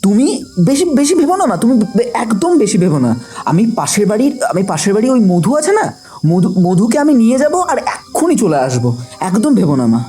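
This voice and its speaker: An actor playing an anxious young village son who stammers and pleads, in a horror audio drama. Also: male voice, high-pitched, big pitch swings, moderate pace, dark tone. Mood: anxious pleading.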